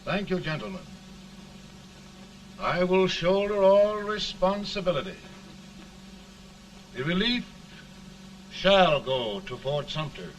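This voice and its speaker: A slow, resolute statesman in an early talkie. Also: high-pitched, animated, slight background noise, poor audio. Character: calm, weary middle-aged man of peace in high office. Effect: early talkie film sound. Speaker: actor in a 1930 film. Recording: old film soundtrack.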